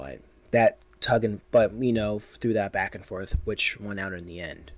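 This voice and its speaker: Fairly low in pitch with vocal fry, a man talks at a fairly slow pace with ordinary pitch variation and big swings in loudness. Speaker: manga artist, video creator. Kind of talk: casual vlog monologue.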